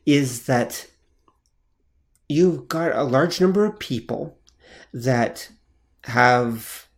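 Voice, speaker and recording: Relaxed male podcast co-host. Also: mid-range voice, very slow. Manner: relaxed, frequent agreeing interjections. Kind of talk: casual chat.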